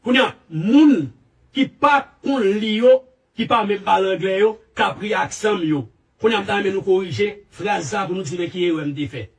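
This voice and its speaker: A man giving a rambling, halting statement with many repeats and restarts, heard from a played clip. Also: high voice, distant mic. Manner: repetitive, halting, restarts often.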